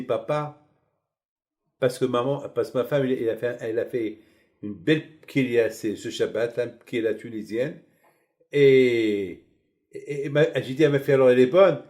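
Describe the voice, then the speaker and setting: A middle-aged man giving a sermon as a rabbi, telling stories in a lively, colloquial way. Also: medium pitch, normal speed. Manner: animated, colloquial storytelling.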